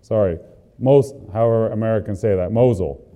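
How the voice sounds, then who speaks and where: Earnest preacher with a dark voice. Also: male voice, on the low side, fairly quick. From not from the country he is preaching in. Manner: earnest, building emphasis with repeated phrases. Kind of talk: sermon.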